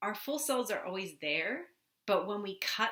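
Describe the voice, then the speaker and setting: With a California Valley accent, a woman speaks at a moderate pace in a bright, sharp tone. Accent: California accent, Valley Girl upspeak. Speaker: spiritual teacher. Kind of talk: vlog monologue. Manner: soft-spoken.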